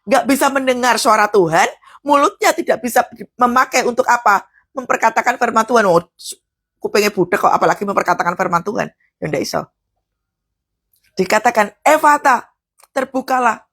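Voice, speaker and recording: A woman's voice: fairly high pitch, brisk, long pauses, fairly bright tone, slightly rough. A woman preacher, giving a live devotional sermon and telling stories to her listeners, whom she often calls brothers and sisters.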